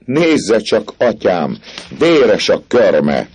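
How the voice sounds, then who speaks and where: A man with a gravelly, husky voice reading an audiobook and voicing a proud, defiant young gypsy woman who is shrill, cold and scornful. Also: sing-song, a little mellow, exaggerated voice. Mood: mocking.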